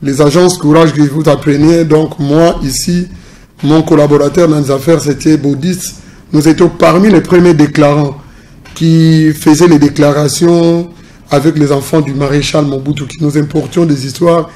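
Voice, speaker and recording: A middle-aged man with a Congolese French accent speaks in a formal, measured way, as a political analyst and businessman would. His pitch sits a little high, but his tone stays mellow and dark. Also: fairly even intonation. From Congo Central, DR Congo. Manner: measured, formal, mixes in Lingala. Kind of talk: interview.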